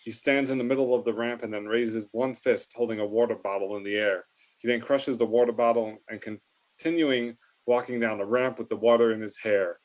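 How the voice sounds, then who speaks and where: A man's voice: mid-range voice, steady tone, fairly quick, a little mellow, poor audio. A man reading scripted wrestling stage directions in an amateur reading, with small stumbles. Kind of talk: scripted narration with fillers and stumbles.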